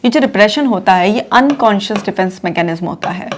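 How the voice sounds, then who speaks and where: A woman psychologist with an Indian accent explaining a topic calmly through a case example, mixing Hindi and English words. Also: mid-range voice, a little fast, a little hiss or hum. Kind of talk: explanatory talk on mental health.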